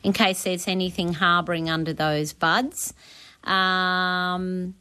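A woman's voice: fairly low pitch, fairly even intonation, slow, bright, forceful tone, smooth. Australian woman giving chatty radio advice. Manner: chatty, colloquial. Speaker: gardening expert on radio talkback. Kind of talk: conversational practical advice. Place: radio studio.

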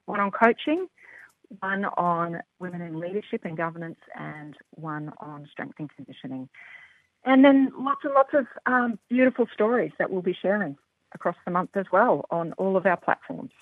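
An Australian woman speaking as an interview guest, upbeat and enthusiastic, often starting with "look" and filling pauses with "um". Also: lowish voice, expressive, no room sound. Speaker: rugby development representative. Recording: tinny phone line.

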